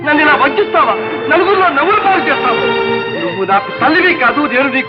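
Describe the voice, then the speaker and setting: Anguished young son, very high fast voice, dull old soundtrack, loud music. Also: male voice, sing-song. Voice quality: anguished, shouting. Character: young man, betrayed and furious son. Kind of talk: dubbed film melodrama.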